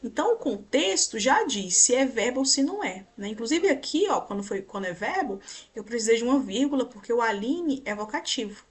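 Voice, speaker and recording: A woman's voice: on the high side, expressive, fairly quick, breathy edge. A woman teacher with a Brazilian Portuguese accent, giving a grammar lesson in an explanatory way and pointing things out on slides while checking in with her students.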